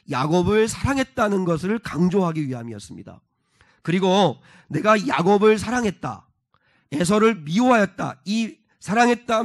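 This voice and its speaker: A male pastor preaching a Sunday sermon in church, explaining scripture and asking the congregation questions. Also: high voice. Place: church sanctuary.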